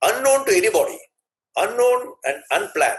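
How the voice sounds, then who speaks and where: With an Indian accent, a man talks at a moderate pace. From India, Calcutta. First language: Tamil. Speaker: business leader and speaker. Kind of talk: talk to an audience.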